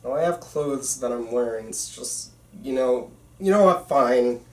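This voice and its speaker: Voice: mid-range voice, animated, a little slow, darkish tone, close to an everyday voice. A performer playing a bitter, intense teenage boy filmmaker in an amateur script read, recorded at a distance in a roomy space. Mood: exasperated. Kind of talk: amateur screenplay table read.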